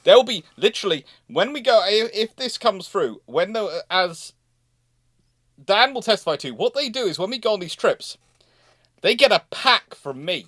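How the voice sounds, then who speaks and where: A man's voice: high voice, big pitch swings, normal speed, a bit bright, dry recording, studio quality. A man hosting a casual live chat, speaking emphatically and digressively, with repeated words as he gets going. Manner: emphatic, stammering repetitions, digressive. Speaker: livestream host.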